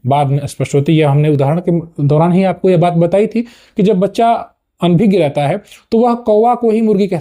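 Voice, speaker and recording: High, dark-toned man teaching a lesson. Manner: repeats "ठीक है" and restarts words while explaining. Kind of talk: explanatory lecture.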